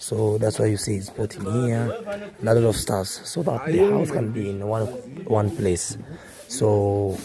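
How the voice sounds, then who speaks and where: Noticeable background noise sits under a man's voice. He talks at a fairly slow pace and a medium pitch. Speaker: vlogger. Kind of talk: casual vlog.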